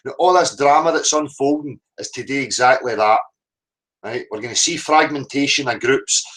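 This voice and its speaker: A man's voice: mid-range voice, fairly bright tone, low-quality recording. Blunt, sweary Scottish man ranting. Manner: impassioned, blunt, heavily sweary; confrontational, insistent, tagging points with "right?". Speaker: livestream host. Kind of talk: unscripted monologue rant.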